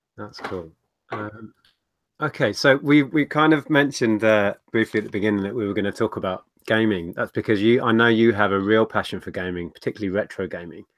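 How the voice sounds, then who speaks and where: Against a quiet background, a man talks at a fairly quick pace with a British accent. His pitch variation is ordinary. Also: fairly low pitch for a man. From UK. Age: 40s. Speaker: YouTuber and reseller; YouTuber, reseller. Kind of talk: casual chat. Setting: video call. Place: office. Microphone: webcam.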